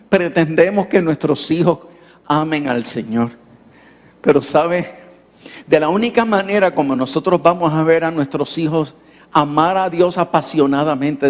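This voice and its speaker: Brief: male preacher, storytelling sermon, pitched a bit high, long hall reverb. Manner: storytelling, direct questions to the audience. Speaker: pastor.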